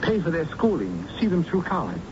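Pleading older businessman suitor, lowish expressive voice, halting, earnest, radio drama, muffled recording. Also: background noise. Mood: earnest, tender.

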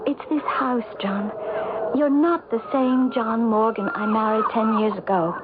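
An actress playing an anxious, probing wife in a radio drama, nervous, pleading and stammering. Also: female voice, fairly high pitch, a little slow, close to an everyday voice. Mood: earnest, troubled. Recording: tinny noisy old radio broadcast.

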